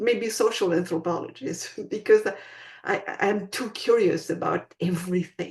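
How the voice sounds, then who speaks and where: A woman with a French accent, medium pitch and a fairly slow pace. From France. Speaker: educator and intercultural consultant. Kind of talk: interview conversation. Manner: halting.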